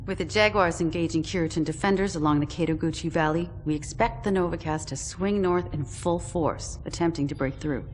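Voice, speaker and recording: Low woman as a briefing officer, reverberant hall. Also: fairly quick, hardly any pauses, slight background noise, lightly acted. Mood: composed. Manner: composed, matter-of-fact. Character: composed female military officer giving a briefing. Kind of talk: dramatic game cutscene acting.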